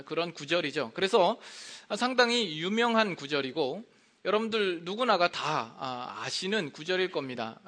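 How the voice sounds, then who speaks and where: Man, pastor, sermon in a church, bright tense voice, loose conversational delivery, many filler pauses. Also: a little high. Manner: conversational, frequent hesitation fillers. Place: church sanctuary.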